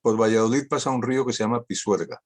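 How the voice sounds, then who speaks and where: A man's voice: medium pitch, quick pace. An older man from Spain whose first language is Catalan gives a guest talk over a video call. He is ironic and witty, and he repeats key phrases for emphasis. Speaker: guest speaker. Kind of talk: online talk.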